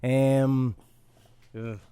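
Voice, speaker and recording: A man hosting a casual podcast, talking in an animated, opinionated way and poking fun at himself. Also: medium pitch, extremely slow, smooth, no echo. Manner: animated, opinionated, with mock impressions and self-mocking laughs. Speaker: podcast host.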